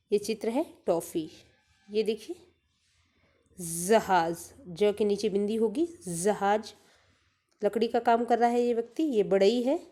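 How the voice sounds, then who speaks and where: A woman teacher giving an online lesson to young children, reading out words slowly and clearly for pupils. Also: a little high, dark tone.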